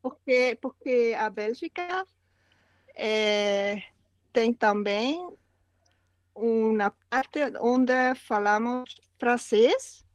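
A woman from Flanders speaking Portuguese as a learner with a Dutch accent, halting and searching for words, calling in from her garden. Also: on the high side, expressive, no room sound, studio quality. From Flanders, Belgium. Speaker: student and guest caller.

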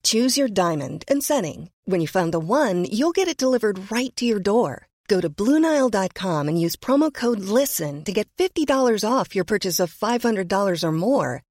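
Female ad voice, lively pitch, dry close recording, upbeat sell. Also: moderate pace, few pauses, no room sound. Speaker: ad narrator. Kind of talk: scripted radio ad read.

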